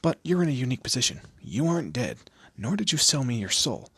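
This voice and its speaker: A man's voice: deep voice, sing-song, a little fast, sharp tone, breathy edge, dry recording, exaggerated voice. A man voicing a smug, teasing demon lord in a scripted audio roleplay, with a theatrical, condescending manner and amused asides. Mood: sly, businesslike. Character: smug, teasing male demon lord, proud torturer and bureaucrat.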